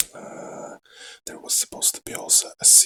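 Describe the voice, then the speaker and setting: Whispering in a Russian accent, a man speaks at a moderate pace. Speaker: actor. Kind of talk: ASMR rambling talk. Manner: whispered.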